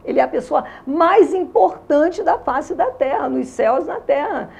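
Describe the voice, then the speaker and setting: A woman's voice: sits high, creaky, darkish tone, lo-fi sound. A woman in her sixties with a Carioca accent, earnestly and emotionally telling her faith testimony in an interview. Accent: Carioca Brazilian Portuguese. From Rio de Janeiro, Brazil. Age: 60s. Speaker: interview guest giving a testimony. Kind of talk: religious testimony in conversation.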